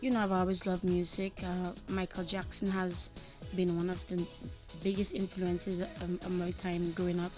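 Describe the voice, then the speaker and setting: A woman's voice: on the low side, little pitch movement, moderate pace, darkish tone, soft background music. A young woman from Trinidad and Tobago, a singer answering interview questions confidently, often saying "you know". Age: young adult.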